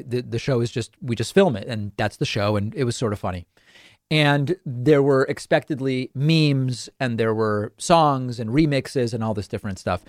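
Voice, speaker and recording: A man's voice: medium pitch, a little mellow, no room sound, studio quality. A man hosting a political talk show with a southern western New England accent, talking in a chatty, digressive way with frequent restarts. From grew up in southern western New England. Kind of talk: casual monologue.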